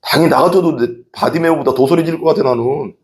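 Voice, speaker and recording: Preaching fast at an evening service, this pastor has a fairly high-pitched voice. He recounts the story with energy and keeps asking the congregation questions.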